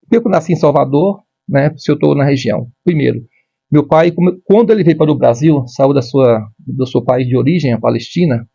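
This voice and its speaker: A man's voice: medium pitch, vocal fry, dark tone, husky, no echo, highs cut off. A man in his fifties from Brazil, a retired military police major, speaking formally and with frequent restarts as an interview guest. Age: 50s. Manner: measured, formal, with many restarts. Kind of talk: conversational interview.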